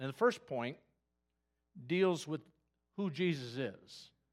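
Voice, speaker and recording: A man with a Midwestern US accent speaks at a fairly slow pace with very wide pitch swings. The recording is very clean, with a silent background. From Indiana, Kokomo. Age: 70s. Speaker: pastor. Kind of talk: sermon.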